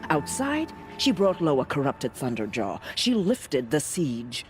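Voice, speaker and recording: A man's voice: fairly high pitch, wildly swooping pitch, unhurried. A man playing an earnest tribal warrior in a video game, speaking in an emphatic, declamatory way. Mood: proud. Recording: music behind the voice.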